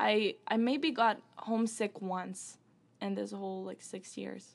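A woman with a Ukrainian accent is heard in a very clean recording with a silent background. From Ukraine. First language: Ukrainian or Russian. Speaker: actress. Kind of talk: casual chat. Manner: giggly, laughs often.

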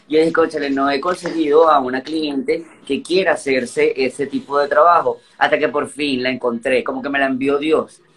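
With noticeable background noise around him, a man at a fairly high pitch talks with hardly any pauses and ordinary pitch variation. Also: moderate pace. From Venezuela. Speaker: hairdresser. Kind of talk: casual chat.

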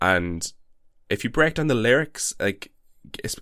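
A man with a Northern Irish accent in a fairly low voice with ordinary pitch variation, at a moderate pace, in a very clean recording with a silent background. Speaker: podcaster, music fan guest. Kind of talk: casual chat.

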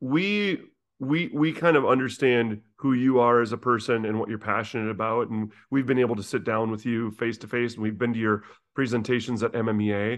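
With an unremarkable speaking voice, a man of medium pitch talks at a fairly quick pace with ordinary pitch variation against a quiet background. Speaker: podcast co-host. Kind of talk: casual chat. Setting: home. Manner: talkative, laughs often.

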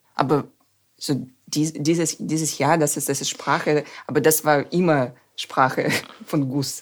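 In a Russian accent, a woman with a very deep, low pitch speaks in a monotone, flat intonation at a fairly slow pace, with long, frequent pauses, on a very clean recording with a silent background. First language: Russian (speaking German). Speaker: journalist and news presenter. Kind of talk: casual chat. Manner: halting.

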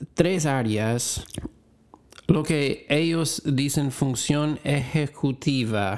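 A man with an American accent speaks at a very slow pace, his fairly high pitch moving with ordinary variation. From United States. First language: English (speaking Spanish). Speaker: podcast host, teacher. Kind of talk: educational talk for parents. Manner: halting, many fillers and repetitions.

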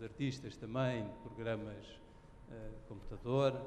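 Fairly slow speech from a man at a medium pitch with fairly even intonation, audible room echo and noticeable background noise. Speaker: audience member. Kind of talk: audience question. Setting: stage with audience. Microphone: far from the mic.

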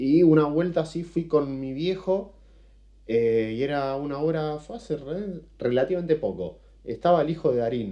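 He has an unremarkable speaking voice, pitched fairly high. His pace is moderate and his pitch varies in an ordinary way. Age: 20s. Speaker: podcast host. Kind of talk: casual chat.

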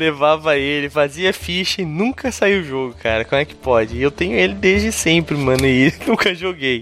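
A man's lively intonation carries at a moderate pace, with music in the background. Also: fairly high pitch for a man. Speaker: RPG streamer host. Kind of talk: casual live-stream chat. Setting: live stream. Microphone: audio feedback echo.

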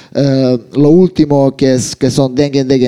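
With a Serbian accent, a man speaks at a fairly slow pace in a medium-pitched, dark, mellow tone with monotone, flat intonation and a dry, close sound with no echo. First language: Serbian (speaking Spanish). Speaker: podcast host and music promoter. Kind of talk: casual interview chat. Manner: halting.

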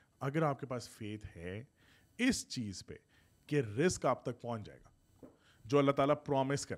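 A man has a plain, everyday voice at a medium pitch with ordinary pitch variation. His loudness swings widely on a very clean recording with a silent background. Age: 30s. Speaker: podcast host. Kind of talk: casual interview chat.

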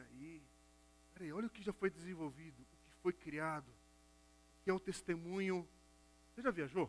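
The loudness swings a lot, and long pauses come often. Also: man, high pitch for a man, ordinary pitch variation, moderate pace. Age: 50s. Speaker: pastor. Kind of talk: sermon.

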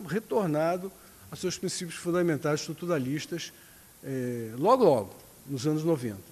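A man at a moderate pace, his pitch moving in very wide swings. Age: 70s. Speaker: economics professor. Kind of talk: lecture. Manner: halting.

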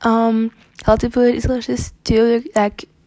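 A woman with a non-native accent, fairly high pitch and fairly even intonation. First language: not English. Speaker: invited opinion contributor. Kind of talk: recorded voice message. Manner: halting, many fillers.

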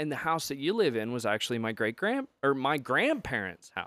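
A man with an American accent talks at a moderate pace and medium pitch, in an unremarkable speaking voice. The recording is very clean, with a silent background. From Pennsylvania. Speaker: podcast guest, contest winner. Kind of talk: casual comedic chat and storytelling.

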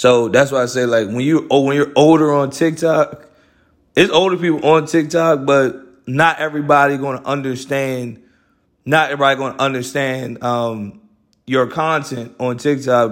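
A man with a plain, everyday voice speaks at a moderate pace, fairly high in pitch, with fairly even intonation. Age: 20s. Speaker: podcaster and content creator. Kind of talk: casual solo monologue.

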